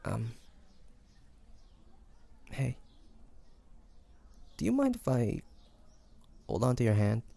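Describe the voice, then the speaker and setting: A man's voice: medium pitch, wildly swooping pitch, slow pace, gravelly, pauses often, mellow, no room sound, exaggerated voice. A man playing a flustered, smitten demon hunter in a romantic audio roleplay, hesitant and stammering, often muttering to himself. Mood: shy, hesitant. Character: flustered young male demon hunter, secretly smitten and awkward.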